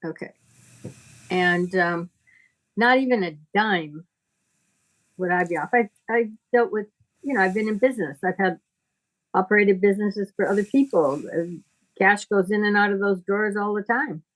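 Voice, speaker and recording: Speaking as a spiritual teacher, this woman keeps a conversational yet deliberate, emphatic manner and tends to moralize. Her voice is mid-range, and the audio is poor.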